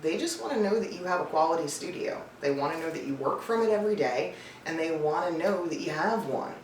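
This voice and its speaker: A woman's voice: low-pitched, animated, brisk. A woman hosting an advice vlog as a voice-over coach, talking to listeners in a chatty, emphatic, informal way. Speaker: host, voice-over coach and casting director. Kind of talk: scripted-feeling advice vlog to camera. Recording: roomy echo, distant mic, faint noise.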